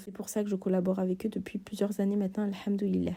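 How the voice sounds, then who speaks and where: A soft-spoken woman with a dark, mellow tone. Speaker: podcast host and bookshop founder. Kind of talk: casual monologue, charity appeal.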